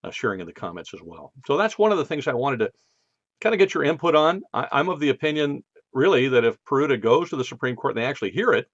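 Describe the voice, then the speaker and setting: Fast and full of big pitch swings, a medium-pitched American man from the United States runs a podcast as a casual monologue. Dental work has left the left side of his face numb, so he slurs slightly. The muffled recording has no room sound.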